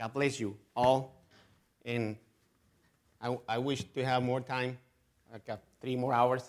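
A man with a Mexican accent speaks at a medium pitch in a flat monotone. He goes very slowly, with long, frequent pauses. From Mexico. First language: Spanish. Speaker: pastor. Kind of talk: sermon. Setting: church. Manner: halting.

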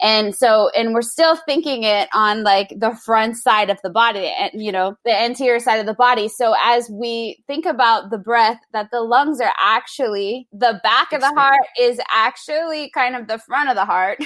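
With an ordinary speaking voice, a woman talks at a fairly high pitch and moderate pace with ordinary pitch variation and hardly any pauses, in a very clean recording with a silent background. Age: 30s. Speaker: movement and breath teacher. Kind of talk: casual chat.

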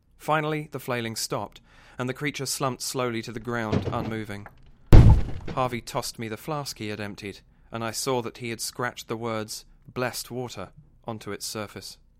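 A man at medium pitch, with fairly even intonation and a moderate pace, over noticeable background noise. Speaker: podcast host and narrator. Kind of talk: horror audiobook narration, first-person.

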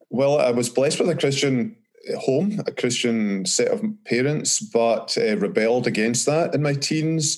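A man speaks at a fairly slow pace in a fairly high voice. His pitch swings very widely while his loudness stays very even. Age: 50s. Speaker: pastor and author. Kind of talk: casual interview conversation.

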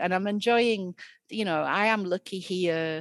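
In a very clean recording with a silent background and a dry, close sound with no echo, a woman speaks with an English accent. Her medium pitch shows ordinary pitch variation. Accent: English, noticeable in America. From England, south then Yorkshire. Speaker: storyteller. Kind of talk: casual interview chat; storytelling performance.

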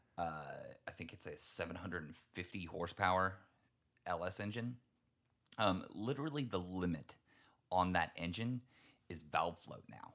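A man with an American accent and a very deep, low pitch talks at a moderate pace, with ordinary pitch variation, big swings in loudness, and long, frequent pauses. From Texas. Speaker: car podcast host. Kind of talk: casual chat.

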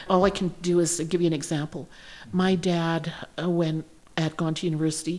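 Her fairly low voice stays monotone and flat as this woman talks at a fairly quick pace. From southern Alberta, Canada (Blackfoot reserve). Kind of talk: casual interview, storytelling.

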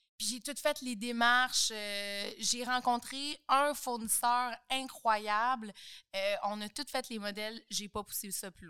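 A woman's bright, sharp, fairly high voice at a very slow pace. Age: 20s. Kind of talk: casual chat. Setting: studio.

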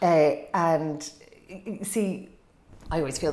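With an Irish accent, a woman talks in a very deep, low voice over noticeable background noise. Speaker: actor. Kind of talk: casual interview chat. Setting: studio.

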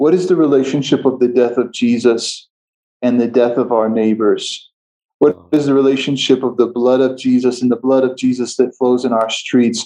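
A man with an American accent and a normal speaking voice talks at a moderate pace and medium pitch, with fairly even intonation and very even loudness. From US Midwest, outside Chicago. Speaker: ethicist and theologian. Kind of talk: interview.

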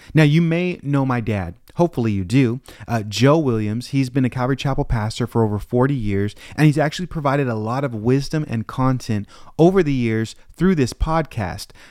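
Speaking in an ordinary speaking voice with an American accent, a man talks at a fairly quick pace with medium pitch and ordinary pitch variation, recorded very cleanly against a silent background. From US Pacific Northwest (Tacoma, Washington). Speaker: pastor and podcast host. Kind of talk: podcast introduction and reflection. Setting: office recording.

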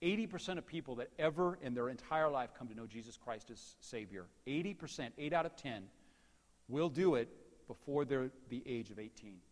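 A normal speaking voice from a man at medium pitch and moderate pace, with lively intonation and big swings in loudness. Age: 50s. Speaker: pastor. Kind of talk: sermon. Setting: church service streamed on Facebook.

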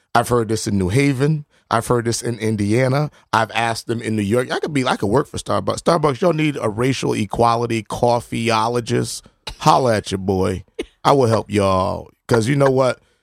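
The tone is animated and the pace fairly quick, with ordinary pitch variation. The sound is dry and close, without echo. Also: man, medium pitch for a man. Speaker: retired police sergeant. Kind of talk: casual chat. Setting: radio studio.

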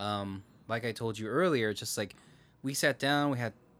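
Talking at a fairly quick pace with an American accent and ordinary pitch variation, a man has an unremarkable speaking voice on a very clean recording with a silent background. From US West, Las Vegas. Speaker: bar owner. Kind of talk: casual chat.

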